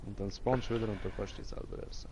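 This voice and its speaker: A man's voice: on the low side, steady tone, rapid-fire, darkish tone. A man playing along in a game, chatting casually and teasing his friend. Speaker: co-player. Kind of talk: casual gaming chat.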